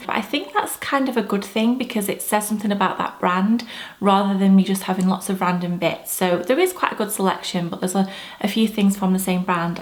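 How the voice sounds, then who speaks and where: A young woman vlogger reviewing makeup to camera in a chatty, gushing way, her voice a bit stuffy from a cold. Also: mid-range voice. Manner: chatty, gushing, rambling asides. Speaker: beauty vlogger. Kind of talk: casual product review to camera. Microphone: camera mic.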